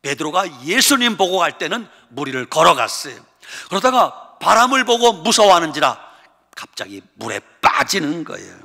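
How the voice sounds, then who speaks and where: Animated male pastor preaching in a hall. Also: on the high side, normal speed, vocal fry. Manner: animated, acting out biblical voices. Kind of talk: sermon.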